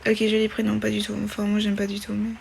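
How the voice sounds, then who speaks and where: A woman's voice: mid-range voice, completely flat delivery, fast talker, creaky, darkish tone, slight background noise. A woman in her twenties hosting a casual live stream on her phone, reading viewer questions aloud and chatting back with many fillers and restarts. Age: 20s.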